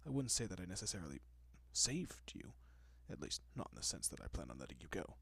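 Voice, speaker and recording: A man plays a courteous vampire gentleman in an intimate audio roleplay. His voice is low and husky, slipping often into whispers, captured very dry. He soothes and reassures with polite, old-fashioned tenderness and a quietly possessive air. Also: big pitch swings, quick pace, dry recording, heavily acted. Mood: calm, apologetic. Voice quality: soft, breathy, often dropping to a whisper.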